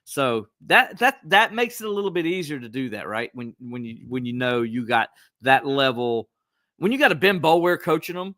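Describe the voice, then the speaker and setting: A man's voice: normal speed, no echo, clean studio sound. A man hosting a casual sports podcast, talking animatedly and acting out quotes. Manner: animated, acts out quotes with pitch jumps.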